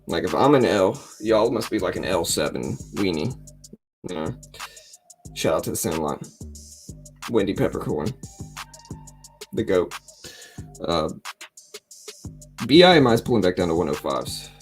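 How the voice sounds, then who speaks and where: A middle-aged man with a raspy morning voice, chatting casually as a livestream host in a joking, self-deprecating, rambling way. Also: sing-song, measured pace, long pauses, soft background music. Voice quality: deep morning voice. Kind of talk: casual live trading commentary to chat.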